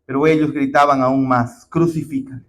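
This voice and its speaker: A man preaching a sermon, emphatic and rising to shouted declarations, often calling listeners brother. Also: sits high, lively intonation, normal speed.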